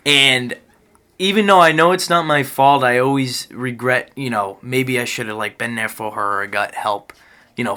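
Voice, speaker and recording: A man's voice: mid-range voice, pushed and bright. A man giving a candid, casual interview answer in a hesitant, reflective way.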